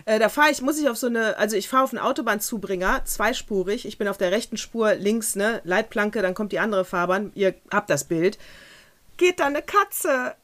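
Bright, blunt woman talking casually. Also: medium pitch, lively intonation, normal speed. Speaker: podcast co-host. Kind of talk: casual chat.

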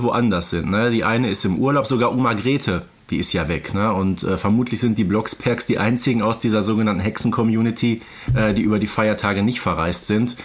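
A man co-hosting a casual review podcast, conversational and often seeking agreement with short tag questions. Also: on the low side. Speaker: podcast host. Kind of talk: casual review chat about audio dramas.

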